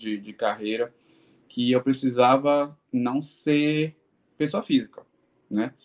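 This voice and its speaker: Speaking very slowly, the man has a medium-pitched voice. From Brazil, Belém do Pará. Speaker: singer-songwriter and pediatrician. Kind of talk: casual interview.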